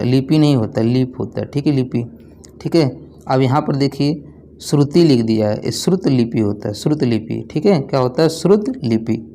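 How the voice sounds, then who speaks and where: In an online exam-prep lesson, a young man tutors students on spelling, repeatedly posing questions and then answering them himself in a call-and-response pattern. His voice is mid-range and dark, with slight background noise.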